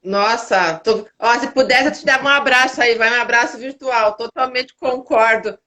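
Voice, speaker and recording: A woman hosting a casual live video chat, chatty and quick to agree. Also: on the high side. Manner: warm, chatty, readily agreeing. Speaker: host of an online live show.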